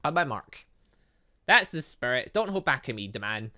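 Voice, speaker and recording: An eager young woman fighter in a visual novel, read out by a man. The voice is bright and lively in pitch. She is cocky and teasing, throwing out challenges. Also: normal speed. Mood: challenging.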